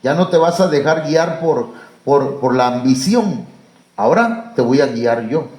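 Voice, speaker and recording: A pastor with a Mexican Spanish accent preaches in an echoey church room, his voice animated yet a little mellow. He pauses on fillers, then rises to emphatic, high-pitched calls.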